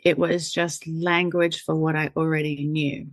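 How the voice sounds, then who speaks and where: Low-voiced rambling New woman. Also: flat delivery, measured pace, dry recording, studio quality. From New Zealand. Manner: rambling, laughing, swears casually, many fillers. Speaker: guest. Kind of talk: casual conversational interview.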